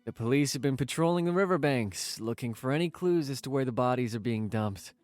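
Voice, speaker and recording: A man's voice: medium pitch, animated, brisk, darkish tone, no echo, soft background music, lightly acted. A man playing an affectionate, joking young boyfriend in a naturalistic audio drama. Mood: weary, explaining.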